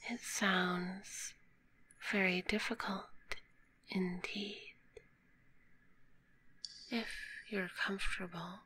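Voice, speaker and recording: Woman as a slow, whispering, shy spider girl. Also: medium pitch, level tone, low-quality recording. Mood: sympathetic, wistful. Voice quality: soft, breathy whisper. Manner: gentle, formal, polite, slow and drowsy. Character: kind, shy, sleepy, lonely female spider monster. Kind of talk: ASMR roleplay. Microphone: close binaural microphone. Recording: close binaural recording, faint background noise.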